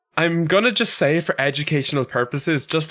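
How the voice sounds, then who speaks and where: A man's bright, sharp tone in an Irish accent. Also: very clean recording, silent background. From Ireland. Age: 20s. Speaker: gaming streamer. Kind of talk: casual chat. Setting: live stream. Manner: animated.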